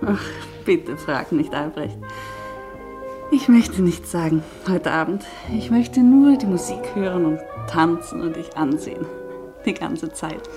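Tender, low-voiced wife. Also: female voice, lively intonation, measured pace, music in the background. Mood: wistful, tender. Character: tender, wistful wife of an exiled doctor. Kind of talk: radio play acting.

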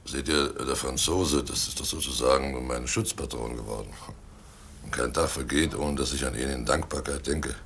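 An actor in a German radio play, playing a guilty, domineering and slyly jovial village innkeeper with a gravelly voice. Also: male voice, extremely low pitch, normal speed, a bit bright, a little hiss or hum, heavily acted. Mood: falsely jovial.

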